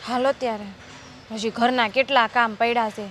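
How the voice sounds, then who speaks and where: An actress with a Kathiyawadi accent playing a chatty village sister-in-law who gives gossiping advice. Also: female voice, a little high, fairly even intonation, moderate pace, a bit bright, slight background noise, close to an everyday voice. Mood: casual. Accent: Kathiyawadi Gujarati. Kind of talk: village family drama acting.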